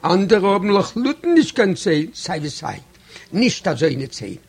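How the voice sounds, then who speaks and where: A man voicing a pious older rebbe who lectures in a low, grave, reasoning tone, in a read-aloud folk story. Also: very animated, moderate pace, a little mellow, slightly rough, heavily acted. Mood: lecturing.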